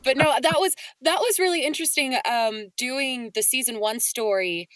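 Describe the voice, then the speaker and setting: A woman's voice: high-pitched, moderate pace, a bit bright, dry recording, poor audio. Woman voice actor in a dry recording. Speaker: voice actor being interviewed. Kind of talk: reflective conversation about acting work.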